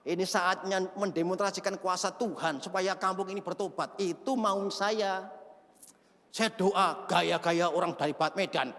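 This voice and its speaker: A male pastor preaching an animated sermon full of stories, acting out shouted prayers and laughing at himself. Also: high-pitched, a little slow. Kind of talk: sermon with storytelling. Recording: long reverb of a large hall.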